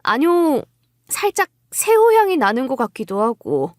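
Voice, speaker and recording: A woman playing a wary, quietly cunning young wife, telling her story in scripted first-person narration with composed politeness. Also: sits high, huge pitch swings, a little slow, no echo, clean studio sound, full character voice. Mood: feigned innocence.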